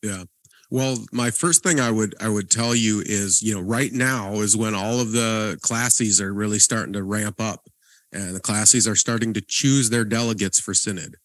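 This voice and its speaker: A man's voice: fairly low pitch, steady tone, moderate pace, fairly bright tone, no echo. A man co-hosting a church podcast, talking in an earnest, encouraging way with frequent restarts. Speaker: podcast co-host, guest pastor. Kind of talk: casual podcast conversation.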